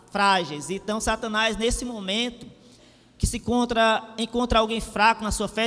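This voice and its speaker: A very clean recording with a silent background, delivered at a moderate pace. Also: man. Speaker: deacon preaching. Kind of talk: sermon.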